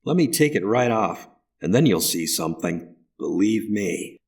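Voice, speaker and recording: A man's voice: on the low side, big pitch swings, normal speed, vocal fry, breathy edge, distant mic, full character voice. A man voicing a cheerful, red-haired young man with an American accent, breezy and eager.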